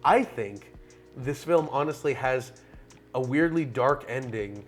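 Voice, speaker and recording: A man with a slightly raspy voice talks through a film in a loose, chatty way, stringing thoughts together with lots of "like" and "you know". His pitch sits in an ordinary middle range. Faint music plays underneath. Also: takes it slowly. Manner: animated, talks in long run-on thoughts with many fillers. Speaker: podcast host. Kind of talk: casual film discussion.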